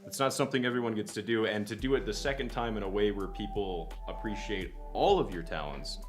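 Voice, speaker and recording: A young man with a fairly low voice, rambling through a casual livestream chat. He is self-deprecating and swears offhandedly. Soft lofi beats play faintly underneath. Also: a little fast. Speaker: guest content creator. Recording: lofi music playing faintly behind.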